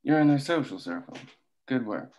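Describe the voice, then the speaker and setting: A man's voice: mid-range voice, expressive, normal speed, darkish tone, lightly acted. A man reading the part of a cold, curt boss giving orders in a drama table read. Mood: stern. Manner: curt, commanding. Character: cold, commanding company boss questioning an informant.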